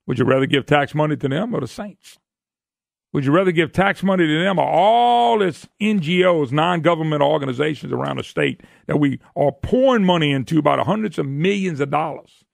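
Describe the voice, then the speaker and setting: Gravelly talk radio host. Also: male voice, on the high side, animated, brisk, no echo, studio quality. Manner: folksy, emphatic, rhetorical questions. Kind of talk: political call-in radio talk. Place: radio studio.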